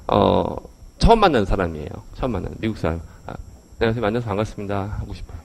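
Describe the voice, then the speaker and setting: A male lecturer talks fast to a hall audience through a handheld mic. His pitch leaps up and down as he fires questions at the crowd, and the delivery stays animated throughout. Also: gravelly, slight background noise. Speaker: English education lecturer.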